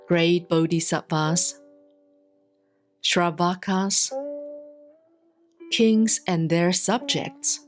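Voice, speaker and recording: A woman reads Buddhist scripture as a monastic, in a solemn, measured and deliberate scripted style with pauses between phrases. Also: fairly low pitch. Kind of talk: solemn scripted sutra recitation, audiobook-like reading. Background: soft plucked guitar-like music.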